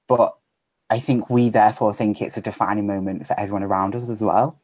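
A man's voice: on the low side, fairly quick, no room sound. A man as a podcast guest, talking casually and animatedly, filling his speech with "like" and "kind of.". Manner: animated storyteller, lots of fillers like "like" and "kind of". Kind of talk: casual interview chat.

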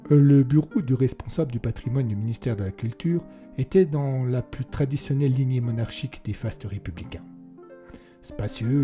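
A man narrating an audiobook in a calm, measured storytelling manner. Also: medium pitch.

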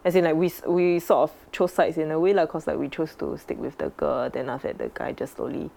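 Female podcast co-host, Singaporean accent, casual Singlish with lah and lor, dark creaky tone. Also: low-pitched, quick pace. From Myanmar. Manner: colloquial Singlish with particles like lah, lor, mah. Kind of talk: casual conversational podcast chat.

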